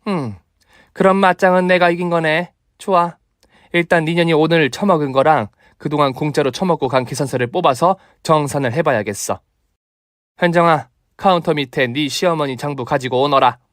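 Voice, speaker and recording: A man's voice: on the high side, moderate pace, no echo, clean studio sound, voice pushed up, lightly acted. A man voicing a feisty, vengeful older mother who runs a chicken restaurant, bossy and full of threats in a comic radio drama. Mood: triumphant, demanding. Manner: threatening, bossy, bombastic martial-arts bluster.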